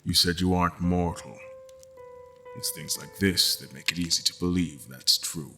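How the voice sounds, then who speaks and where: An actor playing a frustrated, wry mortal guest in an audio drama, choosing words in a deliberate, formal, dry manner. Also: male voice, sits low, bright, forceful tone, faint music behind, heavily acted. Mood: careful, probing. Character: mortal male guest, frustrated, wry, carefully probing captors. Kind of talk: audio drama acting with first-person narration.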